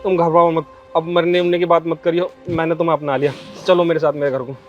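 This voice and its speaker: A man playing a village husband in a comedy sketch, speaking, pleading and excitable, often rising to shouts. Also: a little high, quick pace, highs cut off, faint music behind. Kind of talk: rural comedy sketch acting.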